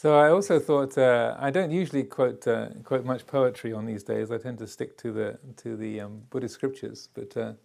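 An older man gives a calm dharma talk to a retreat group. His voice sits at an ordinary male pitch and carries a gravelly edge. He pauses often and restarts his phrases as he thinks aloud. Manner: halting and reflective, with frequent hesitations. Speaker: Buddhist teacher.

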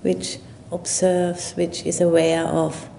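A woman leading a guided meditation as a Buddhist teacher, speaking in unhurried, halting phrases with long pauses. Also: monotone, vocal fry, warm tone. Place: retreat session at a monastery or retreat center. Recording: low rumbling background noise.

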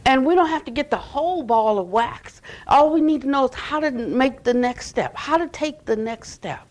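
An older woman teaching at a retreat center, telling stories in an animated, conversational way, full of restarts and "you know". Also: high voice, normal speed. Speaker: Buddhist teacher. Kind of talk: dharma talk. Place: retreat center meditation hall.

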